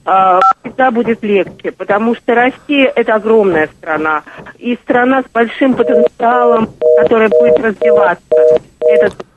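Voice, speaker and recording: A woman's voice: on the high side, normal speed. A woman journalist calling in to a radio interview, answering hesitantly with many fillers. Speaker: journalist and guest. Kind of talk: phone-in interview. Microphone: telephone. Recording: tinny phone line.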